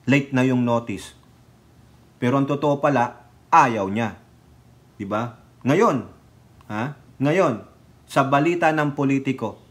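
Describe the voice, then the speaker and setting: A man's voice: mid-range voice, a bit bright. A man with a Filipino accent giving political commentary on a vlog, emphatic and scolding, switching between Tagalog and English. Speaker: political vlogger.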